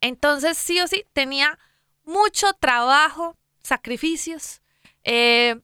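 A woman's voice: high voice, takes it slowly, pushed and bright, no echo, studio quality. A woman co-hosting a casual faith talk, retelling a Bible story in a chatty, folksy way with lots of "pues" asides. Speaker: Christian talk co-host.

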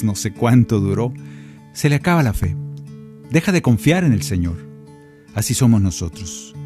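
A man leading a prayer reflection, speaking earnestly and persuasively to the listener, as a Catholic singer-songwriter. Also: medium pitch. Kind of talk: conversational preaching reflection. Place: home recording studio.

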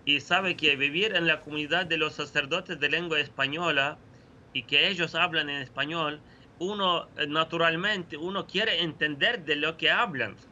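A Ukrainian parish priest in his forties speaking Spanish as a second language with a Ukrainian accent, answering slowly with many pauses and fillers over a video call. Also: fairly high pitch, pushed and bright, highs cut off, a little hiss or hum. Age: 40s. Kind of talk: remote interview answers.

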